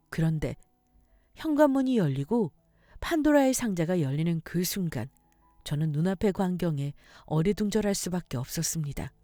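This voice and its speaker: A woman's voice: on the low side, dark tone, no echo. A woman narrating her own story for a story radio show, in a confiding, emotional first-person telling.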